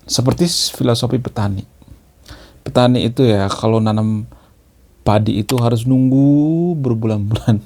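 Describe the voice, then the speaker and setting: A man's voice: medium pitch, gravelly, mellow, slightly rough. A man hosting a channel, explaining in a chatty monologue that repeats words for emphasis. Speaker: channel host.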